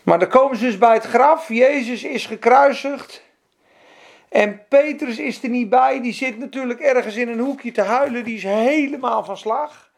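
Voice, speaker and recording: High, gravelly-voiced male preacher. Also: normal speed. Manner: fervent, conversational storytelling with asides. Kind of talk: sermon.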